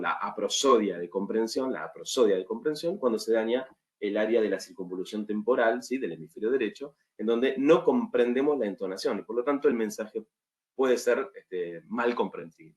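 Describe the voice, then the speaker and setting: A man's voice: on the low side, expressive, moderate pace. A man with an Argentine Spanish accent giving a recorded online lecture to medical students, often checking in with tag questions.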